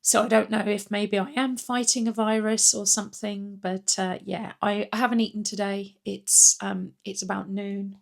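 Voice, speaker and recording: Croaky woman chatting casually. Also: medium pitch, flat delivery, normal speed, few pauses. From Britain. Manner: rambling, chatty, frequent ums and restarts. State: croaky from a cold. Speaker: weight-loss vlogger. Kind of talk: casual chatty vlog update.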